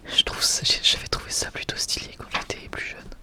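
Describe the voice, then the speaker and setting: An ASMR creator whispering breathily and close to the mic in a casual, rambling, enthusiastic way, often correcting themselves. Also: fairly quick.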